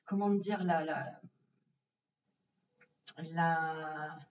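A woman's voice: sits low, steady tone, extremely slow. A woman from France telling a travel story in a casual, chatty way, with many fillers and acted-out asides. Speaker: vlogger. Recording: distant, dull lo-fi sound.

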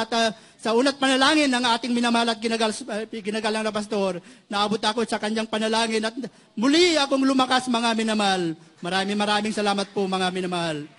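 Man, very high pitch, church testimony, halting, frequent restarts, from the Philippines. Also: a bit bright. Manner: halting, repeats "mga minamahal" constantly, many restarts. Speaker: church member giving testimony.

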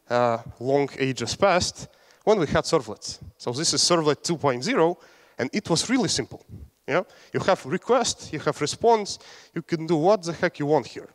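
A young man from Latvia speaks from the stage of a big conference hall, delivering a joking, relaxed tech talk peppered with fillers and false starts. He sounds a little high and expressive, going a touch slowly, and the hall adds reverb.

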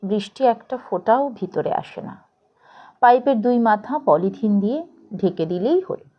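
A woman reading a literary story as an expressive audiobook narrator. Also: fairly high pitch, normal speed, dull audio.

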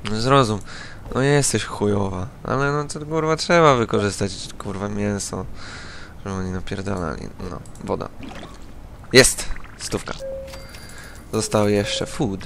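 A man's voice: on the low side, unhurried, vocal fry, a bit bright, a little hiss or hum. A young man with a Polish accent giving sarcastic, profane let's-play commentary as he plays a game. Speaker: gaming YouTuber.

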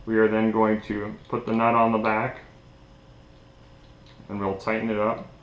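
A man's voice: lowish voice, monotone, a little slow, highs cut off, slight background noise. A young man giving a casual, informal hands-on tutorial, sitting at a table indoors. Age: young adult. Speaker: DIY tutorial host. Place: small indoor room at a table. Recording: echoey room.

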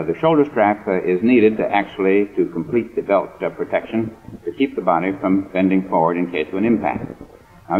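Low-voiced American man, muffled old radio. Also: slight background noise. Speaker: guest surgeon. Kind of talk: radio interview, explanatory. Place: convention hall radio interview. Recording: muffled phone-like 1950s radio recording.

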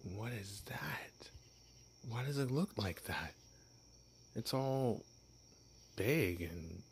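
A man's voice: lowish voice, a little hiss or hum. A man playing a stammering shy vampire. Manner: stammering, flustered, apologetic. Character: shy clueless young male vampire posing as human. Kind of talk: ASMR audio roleplay.

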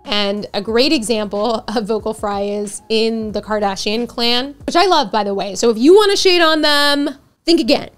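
A woman coaching viewers on speaking on camera, chatty and enthusiastic, with a natural touch of vocal fry. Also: fairly high pitch, moderate pace. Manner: chatty and enthusiastic, gushing asides. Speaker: video presence coach. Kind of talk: casual teaching to camera.

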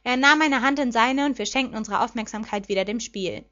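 A woman reading a fan fiction story aloud in a lively first-person voice. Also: fairly high pitch, fairly quick, lo-fi sound. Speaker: audiobook reader.

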